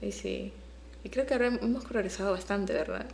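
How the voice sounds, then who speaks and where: A young woman, a native Spanish speaker, co-hosts a relaxed podcast at a middling pitch. She talks in a chatty, teasing way and keeps the conversation rolling. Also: a little fast, vocal fry, slight background noise. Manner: chatty and teasing, laughs often. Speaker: podcast co-host. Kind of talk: casual chat.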